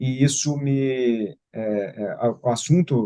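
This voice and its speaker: This man has a dark, mellow tone at medium pitch, with fairly even intonation. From Brazil, Belo Horizonte, Minas Gerais. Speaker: pharmaceutical industry manager. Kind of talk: podcast interview. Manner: casual, with many fillers.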